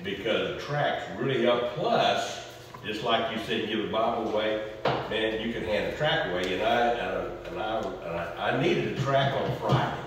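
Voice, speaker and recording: A man's voice: lowish voice, normal speed, background noise. An older man sharing earnest advice with a church group, often restarting his sentences. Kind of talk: group discussion. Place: church fellowship hall. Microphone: far camera. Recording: echoey hall from far off.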